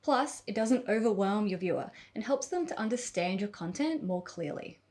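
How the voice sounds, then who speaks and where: A woman giving a scripted on-camera tutorial as a video coach, speaking expressively with deliberate pauses and emphasis. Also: medium pitch, lively intonation, a little mellow.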